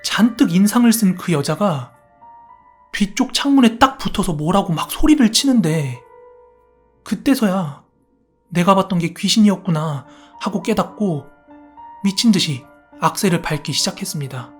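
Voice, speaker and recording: A man narrating a first-person horror story in a soft, steady storytelling tone. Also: high voice, normal speed, husky, soft background music. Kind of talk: calm scripted horror narration.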